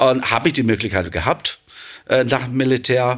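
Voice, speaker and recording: With an English accent, this man keeps to a moderate pace. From England. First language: English (speaking German). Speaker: plant manager. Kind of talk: interview.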